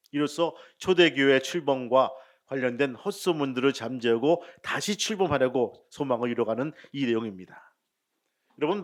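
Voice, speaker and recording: A man preaching a sermon as pastor, asking the congregation questions and joking with them, with loud emphasis and quiet asides. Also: on the high side.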